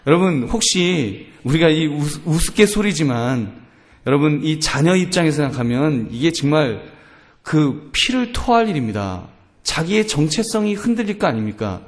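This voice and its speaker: A man's voice: on the high side, normal speed. A male pastor preaching to his congregation, often asking them questions and acting out parents and children arguing. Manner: addresses congregation directly, acts out family quarrels in lively voices. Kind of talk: sermon.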